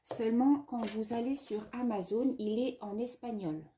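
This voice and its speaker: A woman's voice: a little high, moderate pace, warm tone, a little hiss or hum. A woman vlogger chatting casually about art supplies, sniffling from a runny nose and hesitating often. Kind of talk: casual chat.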